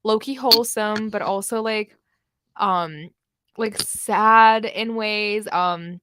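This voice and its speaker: A woman's voice: medium pitch, fairly bright tone, no echo, studio quality. A young woman hosting a book livestream, chatting casually with lots of fillers and small laughs. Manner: chatty, lots of likes and ums, laughs often.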